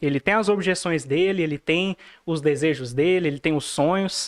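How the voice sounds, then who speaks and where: Lively intonation marks this man's speech at a moderate pace. The sound is dry and close, with no echo. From Brazil, Goiás (Anápolis). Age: 20s. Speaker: marketing specialist. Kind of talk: podcast interview.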